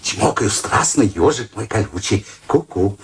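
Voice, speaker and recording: A man's voice: on the low side, unhurried. Flustered wheedling middle-aged man, radio play, voice jumps up and down, bit of hiss. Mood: cooing. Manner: excitable, wheedling, stammering when cornered. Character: flustered middle-aged man, evasive womanizer with a young girlfriend.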